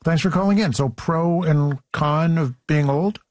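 A man hosting a radio call-in show, moving briskly between callers. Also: fairly high pitch, darkish tone, no echo. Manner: brisk, reads numbers out. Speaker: radio host.

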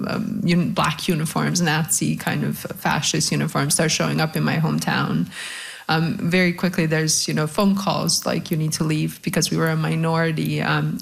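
Woman from Bosnia, low voice, gravelly, thoughtful panel guest, frequent fillers. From Bosnia-Herzegovina. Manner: thoughtful, many fillers and restarts. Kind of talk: reflective panel discussion.

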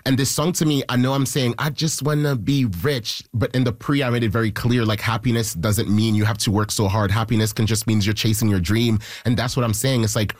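A man from Haiti, a musician guest, telling stories in an excitable, animated way and jumping into high quoted voices. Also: a little fast, few pauses, dry recording, studio quality. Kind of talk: casual interview storytelling.

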